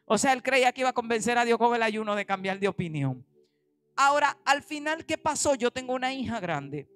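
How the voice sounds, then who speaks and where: A woman pastor preaching a sermon in an animated way, swinging between loud emphatic lines and quiet asides. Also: on the high side, brisk. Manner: animated preaching, acting out quoted voices.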